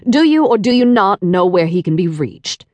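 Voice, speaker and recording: A woman's voice: very animated, moderate pace, a little mellow, dry recording, lo-fi sound. A woman voicing an imperious, impatient male shipping magnate in an audiobook, with a trace of French accent and a formal, commanding manner. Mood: impatient, stern. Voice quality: deep, smooth tone. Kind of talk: audiobook character dialogue.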